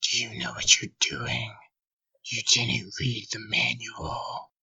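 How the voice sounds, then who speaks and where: A man's voice: extremely high pitch, huge pitch swings, slow pace, sharp tone, heavily acted. A man playing a nagging, doubting inner voice in an audio drama, whispered and distorted.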